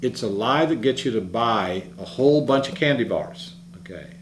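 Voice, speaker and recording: A man delivers an earnest, reflective public talk, easing into stories as he builds his point. His voice sits at an ordinary middle pitch. The room around him rings with echo, and a faint hum runs underneath. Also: expressive, normal speed. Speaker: speaker.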